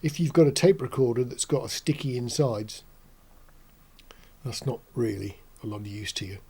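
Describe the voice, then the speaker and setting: A host in his sixties speaks casually to camera in a small studio, his voice soft, mellow and slightly breathy. He explains things at a middling pitch in a measured, matter-of-fact way.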